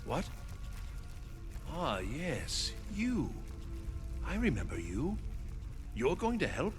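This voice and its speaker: A man's voice: on the high side, wildly swooping pitch, slow pace, soft background music, full character voice. An actor playing a fussy, distracted, irritable male scholar in a video game, muttering and hesitant. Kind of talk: video game character acting.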